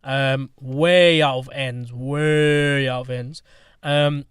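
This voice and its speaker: A man's voice: medium pitch, steady tone, takes it slowly, a bit bright, clean tone, no room sound, clean studio sound. A young man, hosting a podcast in easygoing, slang-heavy chat. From North London. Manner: easygoing, chatty, uses London slang. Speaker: podcast host. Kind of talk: casual banter.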